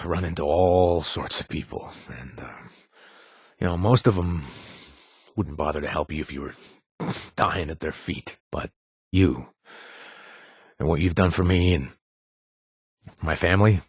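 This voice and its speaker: Husky, halting wasteland bartender guy. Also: a bass voice, no echo, clean studio sound, heavily acted. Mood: sincere, grateful. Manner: halting, stammering, casual and self-deprecating. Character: gruff but awkward recovering-addict wasteland bartender, loyal, wounded. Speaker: voice actor for a video game companion. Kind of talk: naturalistic video game dialogue.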